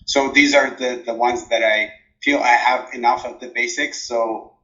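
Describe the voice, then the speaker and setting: A man whose first language is Arabic, from Jordan, speaking in a relaxed interview with many fillers and restarts. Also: mid-range voice, moderate pace, highs cut off. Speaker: interview guest, dissertation coach.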